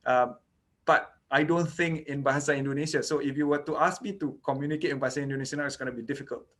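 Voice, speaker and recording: A man's voice: fairly high pitch, fairly even intonation, fast talker, fairly bright tone. A man whose first language is Malay, giving an online lecture on child dental care, explaining step by step with frequent "okay" and "you know". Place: indoors, online lecture recording.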